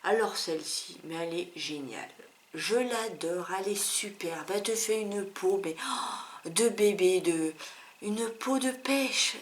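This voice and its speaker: A woman's voice: mid-range voice, unhurried. Chatty woman reviewing beauty products. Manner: chatty, candid, many fillers and asides. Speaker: beauty vlogger.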